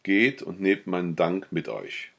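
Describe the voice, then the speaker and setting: Tiefe männerstimme liest fenice, stolze strenge junge frau, bisschen heiser. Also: male voice, deep voice, very animated, measured pace, gravelly, fairly bright tone, heavily acted. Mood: stern, proud. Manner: firm, dismissive. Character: proud, stern young woman, Fenice.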